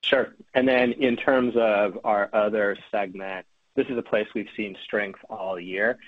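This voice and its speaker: Low-voiced male finance executive, phone-like sound. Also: steady tone, unhurried, no room sound. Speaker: finance executive presenting results. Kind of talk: formal financial report and call answers. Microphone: conference call line. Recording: dry, narrow phone-like line.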